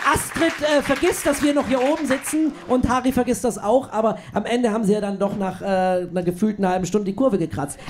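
With crowd noise behind him, a man speaks at a fairly quick pace, his pitch swinging very widely. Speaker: talk show host. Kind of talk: live talk show interview. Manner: jokey, playful. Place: bar. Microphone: handheld.

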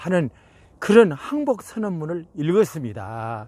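A man's dark, mellow voice at a very slow pace, with lively intonation. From Korea. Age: 80s+. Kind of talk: personal reminiscence monologue. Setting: outdoors on a mountain. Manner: halting, many fillers.

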